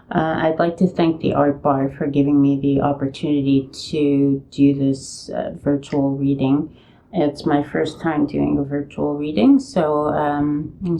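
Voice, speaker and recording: A woman poet with a New York accent giving a virtual reading of her own poems, speaking in a slow, measured way. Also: sits low, vocal fry, dark tone, rough recording. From United States.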